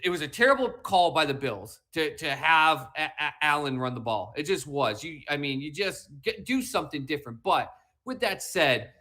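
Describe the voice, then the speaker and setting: A man's voice: a little high, animated, moderate pace, pushed and bright. A man co-hosting a sports talk show, lecturing emphatically and repeating his points, with a whiny, slightly mushy voice. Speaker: podcast co-host. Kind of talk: animated sports talk rant.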